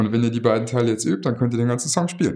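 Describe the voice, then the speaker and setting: A man speaks against a quiet background. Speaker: guitar teacher. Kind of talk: tutorial. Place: studio.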